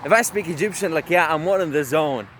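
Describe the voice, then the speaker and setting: A man's voice: on the high side, quick pace, fairly bright tone, a little hiss or hum. Brash, profane Arab man rambling outdoors. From Syria. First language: Arabic. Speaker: vlogger. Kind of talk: rambling self-talk monologue.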